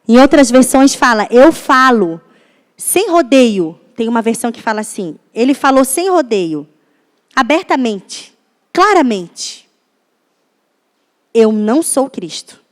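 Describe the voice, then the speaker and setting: A woman's voice: on the high side, very animated, unhurried. A woman pastor from Brazil preaching a sermon in a church, often turning to the audience with questions in a chatty way. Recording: echoey church hall.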